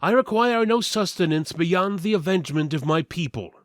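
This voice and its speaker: A man's voice: high voice, expressive, moderate pace, no room sound, studio quality, pitched above the performer's own voice. A man voicing a grave, vengeful adventurer in a fantasy story reading, formal and intense.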